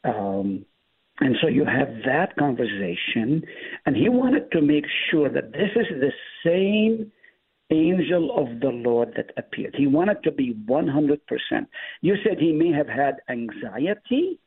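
Gravelly native Hebrew speaker on a phone line. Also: male voice, a little high, big pitch swings, a little slow. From Middle East. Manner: emphatic, explaining with rising stress. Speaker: pastor guest. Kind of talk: Bible study discussion. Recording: tinny phone-line audio.

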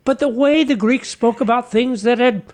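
An actor playing a humble, folksy fisherman apostle in a comic radio sketch, earnest and chatty, halting over his words. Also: very high-pitched, a little mellow. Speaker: guest character.

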